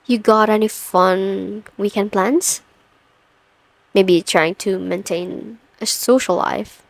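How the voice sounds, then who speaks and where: Brief: stern female CEO woman acting, overworked, dryly menacing, measured and commanding, unhurried delivery, close dry studio sound, for an audio roleplay. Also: medium pitch, fairly even intonation, vocal fry, no echo, rough recording. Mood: weary, businesslike.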